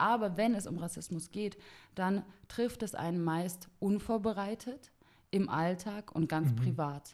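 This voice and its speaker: In a very clean recording with a silent background, a woman with an unremarkable speaking voice talks at a fairly slow pace, medium in pitch with ordinary pitch variation. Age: 30s. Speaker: theatre educator and anti-racism activist. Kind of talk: casual interview.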